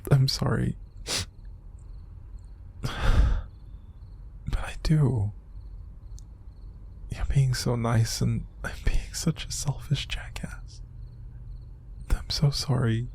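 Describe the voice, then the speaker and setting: A man acting an upset, exhausted young man in an intimate audio roleplay, speaking in a hushed, halting, breathy and gravelly voice. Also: mid-range voice, fairly even intonation, in a whisper. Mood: guilty, apologetic. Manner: halting, sighing, hushed, naturalistic delivery. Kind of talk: intimate audio roleplay monologue to an unseen listener.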